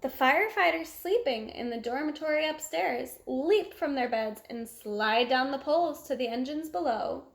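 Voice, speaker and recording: A woman reading a children's picture book aloud in an expressive, animated way, with exclamations. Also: high voice, normal speed, gravelly, hardly any pauses. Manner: animated, exclamatory, acts out sound effects. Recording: echoey room.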